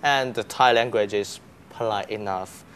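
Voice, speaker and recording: A man's voice: fairly low pitch, a little slow, a bit bright. A young man, a student guest, answering interview questions casually, with fillers and laughs. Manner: chatty, laughs, uses fillers. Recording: faint background noise.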